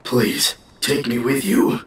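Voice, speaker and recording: A man's voice: mid-range voice, big pitch swings, takes it slowly. A man voicing a solemn, devoted armored swordsmith in a fan dub of an anime game, recorded roomy and distant. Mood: pleading.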